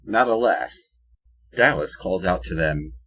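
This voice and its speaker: A man with a husky voice reading scripted audio drama narration, with wry asides. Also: deep voice, animated, slow, fairly bright tone, poor audio.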